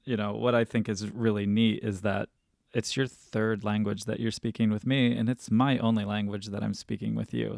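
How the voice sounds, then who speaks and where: A man's voice: on the low side, creaky, a little mellow, no room sound, studio quality. A man hosting a podcast interview, chatty and enthusiastic, rambling with frequent restarts. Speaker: podcast host. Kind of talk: casual interview chat.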